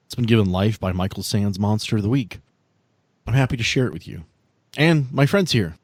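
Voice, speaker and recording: A man's voice: on the low side, animated, fairly quick, no room sound. A man hosting and narrating a tabletop game in a playful, conversational way as he sets scenes. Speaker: host and game master.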